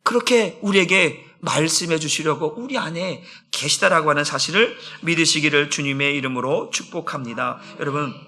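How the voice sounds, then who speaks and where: A man, a senior pastor, preaching a sermon, asking the congregation questions and swinging between loud passages and soft ones. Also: on the high side. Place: church sanctuary.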